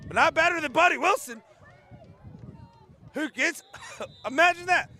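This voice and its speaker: A man calling a football game live from an outdoor stadium, joking with his partner and shouting on big plays. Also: very high-pitched, unhurried. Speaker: play-by-play announcer. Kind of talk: live high school football commentary. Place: outdoor stadium in wind and rain.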